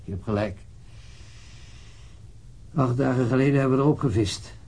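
An actor playing a frustrated local police detective in a radio drama, dry and matter-of-fact. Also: male voice, mid-range voice, normal speed, darkish tone, natural voice. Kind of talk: radio drama acting, naturalistic.

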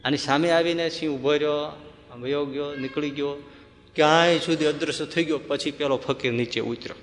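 A man giving a devotional talk, telling a parable and acting out its characters' dialogue in an animated way. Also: fairly high pitch, brisk. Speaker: spiritual discourse speaker. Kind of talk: devotional storytelling sermon. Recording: long hall reverb.

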